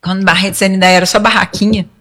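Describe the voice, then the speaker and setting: A woman's voice: medium pitch, level tone, fast, pushed and bright. Brazilian woman in a long reverberant space. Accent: Brazilian Portuguese. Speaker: singer being interviewed. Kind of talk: casual interview storytelling.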